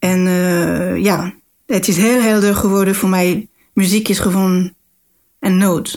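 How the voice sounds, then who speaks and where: Speaking with a French accent, a woman keeps her intonation fairly even at a very slow pace. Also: medium pitch for a woman, very even loudness. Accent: French accent in Dutch. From southern France, Perpignan. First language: French (speaking Dutch). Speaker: classical pianist. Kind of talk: interview. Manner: halting, many fillers.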